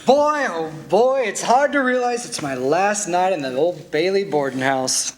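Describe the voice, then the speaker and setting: A man's voice: high-pitched, lively intonation, unhurried, slight background noise. A man playing an enthusiastic, affectionate young man, boyish and earnest, in a staged radio drama.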